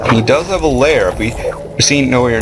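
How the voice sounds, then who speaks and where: Over noticeable background noise, a man at medium pitch speaks at a fairly slow pace. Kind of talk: live game commentary. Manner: animated.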